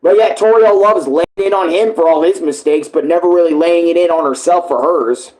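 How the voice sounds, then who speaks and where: A man's voice: fairly high pitch, fairly quick, a little mellow, low-quality recording. A man giving casual live reaction commentary, rambling bluntly and informally with heavy swearing. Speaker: reaction streamer.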